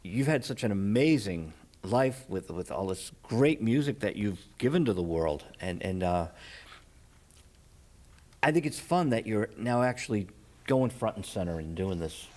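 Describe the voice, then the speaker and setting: A man's voice: on the low side, animated, a little slow, darkish tone. A man hosting a casual, conversational interview and chatting with his guest. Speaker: interviewer, host.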